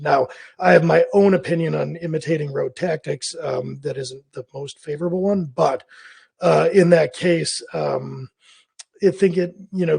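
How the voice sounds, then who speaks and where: A man hosting a freelance business advice video, his voice hoarse and scratchy as he recovers from laryngitis. He rambles and thinks aloud, correcting himself as he goes. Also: fairly high pitch, darkish tone. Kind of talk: casual advice monologue.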